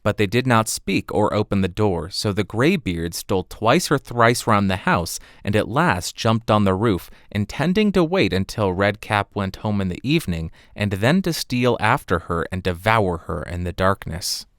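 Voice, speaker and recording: A man narrating a fairy tale as an expressive audiobook read on a close studio microphone. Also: on the low side, normal speed, hardly any pauses, no echo. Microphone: close studio condenser microphone.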